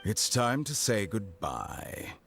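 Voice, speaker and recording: A video game villain, a smug doctor with quiet menace. His voice is very low and he takes his time, over clearly audible music. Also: sing-song, slow, exaggerated voice.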